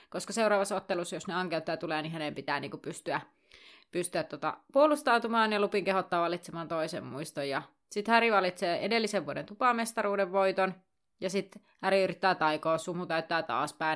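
A woman co-hosting a podcast, casually retelling a book chapter in a chatty way full of fillers. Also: on the low side. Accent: Finnish. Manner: chatty, many fillers, lively summarizing. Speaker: podcast co-host.

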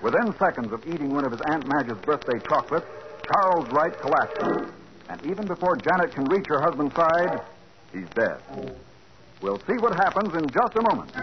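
A man narrating a crime drama as an announcer, in scripted 1940s radio style. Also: on the high side. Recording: dull 1940s radio recording with music.

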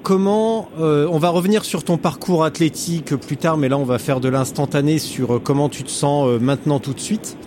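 Male podcast host, casual and friendly, a bit high-pitched. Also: steady tone, fairly quick, few pauses, a little mellow, slight background noise. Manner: friendly, many hesitations and fillers.

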